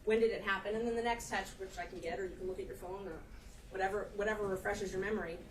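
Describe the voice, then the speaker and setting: A woman's voice: mid-range voice, steady tone, quick pace, roomy sound. A woman lawyer cross-examining a witness in a courtroom, questioning in a pressing, persistent way. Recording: distant mic with clear room noise.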